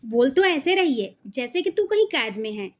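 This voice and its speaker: A woman's voice: high voice, sing-song, moderate pace. A woman voicing a teasing older brother who banters mockingly with his sister.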